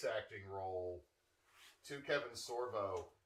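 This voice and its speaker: Speaking at a very slow pace, a man sounds somewhat breathy. His intonation is lively. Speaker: podcast co-host. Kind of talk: casual chat. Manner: halting.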